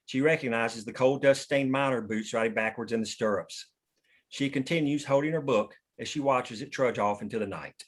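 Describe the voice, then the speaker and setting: A man narrating stage directions at a script table read. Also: mid-range voice.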